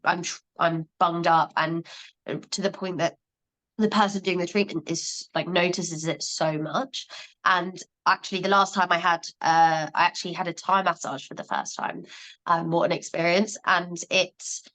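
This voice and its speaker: A woman's voice: lowish voice, fairly even intonation, moderate pace, fairly bright tone, rough recording. Chatty woman podcast host. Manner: chatty, personal anecdotes. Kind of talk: casual podcast chat.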